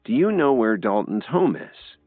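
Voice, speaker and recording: A man voicing a gentle young man in an audiobook, talking plainly and mildly. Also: mid-range voice, sing-song, normal speed, no echo, faint music behind, voice pushed up. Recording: dry, tinny phone-like sound.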